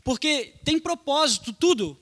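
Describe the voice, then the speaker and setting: A man's voice: very high voice, animated, unhurried, a bit bright. A young adult man, a pastor preaching a sermon in a casual, slangy way aimed at young people.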